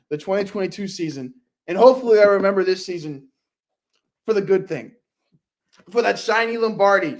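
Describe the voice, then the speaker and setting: A man co-hosting a casual sports podcast, talking fast and rambling, and his voice jumps high when he retells big plays. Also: a little mellow. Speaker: podcast co-host.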